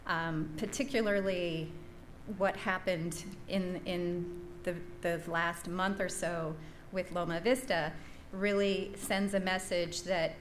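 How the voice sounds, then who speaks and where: A woman giving an earnest, measured public comment at a school board meeting. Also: lowish voice, fairly even intonation. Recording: roomy echo, faint noise.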